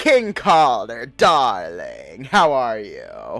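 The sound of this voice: A put-on character voice speaks at a very slow pace over faint music in the background.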